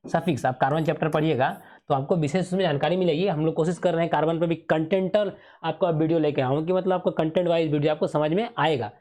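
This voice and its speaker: A man's voice: fairly high pitch, steady tone, fast talker, darkish tone. A male teacher giving an exam revision lesson in speech, who keeps asking questions and answering them himself, repeating the key terms.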